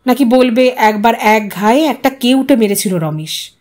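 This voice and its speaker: High-pitched woman narrating a story. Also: lively intonation, normal speed, darkish tone. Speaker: audiobook narrator. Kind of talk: scripted story narration with acted dialogue.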